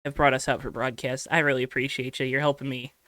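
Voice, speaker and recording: A young man hosting a casual podcast, with a high-pitched voice, chatty and rambling with fillers. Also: level tone, fast, sharp tone, no echo. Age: young adult. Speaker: podcast host.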